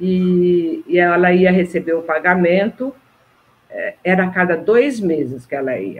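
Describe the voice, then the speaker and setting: A woman with an unremarkable speaking voice talks at a fairly slow pace, her pitch fairly low with ordinary variation. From rural Brazil. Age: 60s. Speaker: interviewee sharing spiritual experiences. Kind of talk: personal testimony interview.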